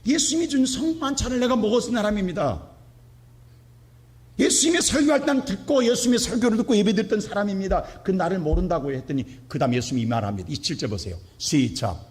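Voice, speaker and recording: A male pastor preaching a Sunday sermon emphatically, swinging between loud outbursts and hushed asides. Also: high-pitched, animated, quick pace. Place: church sanctuary.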